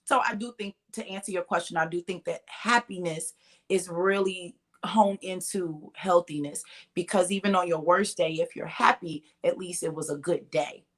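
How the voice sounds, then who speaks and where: Earnest woman guest with a lower voice, reflective. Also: moderate pace. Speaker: talk show guest. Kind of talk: casual interview chat.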